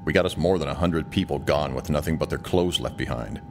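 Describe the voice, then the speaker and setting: Man playing a deep-voiced, rattled airline co-pilot. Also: brisk, a little mellow, soft background music. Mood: agitated, alarmed. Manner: agitated, colloquial. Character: rattled male airline co-pilot in audiobook thriller. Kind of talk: audiobook character dialogue.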